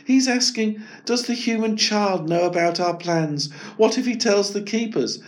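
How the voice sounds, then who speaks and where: A man's voice: high-pitched, measured pace, voice pushed up. A man voicing a loyal, hopeful male elephant with a raised, eager voice. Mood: urgent.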